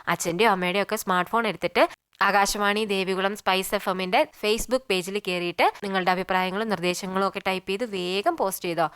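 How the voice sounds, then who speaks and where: A woman's voice: mid-range voice, a bit bright, clear, resonant tone. Coaxing woman hosting children's radio. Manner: coaxing, talks straight to young listeners. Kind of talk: chatty radio presenting for children.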